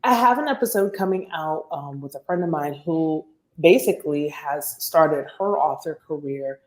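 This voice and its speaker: Low-voiced woman podcast host, echoey room. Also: lively intonation, moderate pace, a little mellow. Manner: chatty, fillers like "you know" and "like". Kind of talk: casual interview chat.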